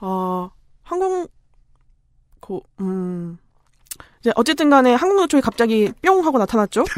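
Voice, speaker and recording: Speaking at a fairly slow pace with long, frequent pauses, a woman uses a fairly high pitch with very wide swings, on a very clean recording with a silent background. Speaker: baker and union branch leader. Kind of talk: interview about labor union struggle. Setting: studio. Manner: halting, many fillers.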